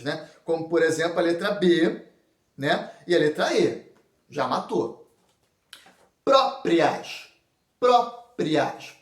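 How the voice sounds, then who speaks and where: A Brazilian man with a high voice teaches an exam prep lesson, walking through each point and checking in with his class. He sits a little away from the mic in a roomy space that echoes. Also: recorded from a distance. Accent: Brazilian Portuguese. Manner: explains step by step, checks in with "ok?" and "galera". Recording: echoey room, voice a bit off mic.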